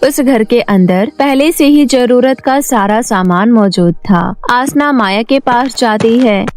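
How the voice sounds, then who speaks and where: A woman narrates a scripted moral tale in storybook style. Her voice is on the high side. Music plays behind her. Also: slow, darkish tone.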